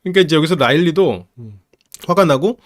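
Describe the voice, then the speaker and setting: A man hosting a psychology channel, casually analyzing a film, lively and laughing often as he acts out characters' lines. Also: fairly high pitch, a little fast, dry recording, studio quality.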